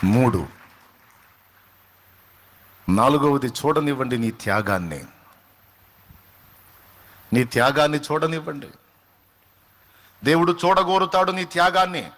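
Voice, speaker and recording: A man's voice: fairly high pitch, slow, long pauses, fairly bright tone. A male pastor delivering a sermon in an emphatic style, repeating phrases and asking rhetorical questions.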